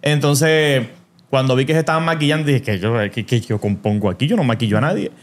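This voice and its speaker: A man's voice: mid-range voice, brisk. A man with a Puerto Rican accent, hosting a podcast and telling stories in casual chat, dropping English words and restarting often. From Puerto Rico. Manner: animated storyteller, mixes English words, many restarts. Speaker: podcast host.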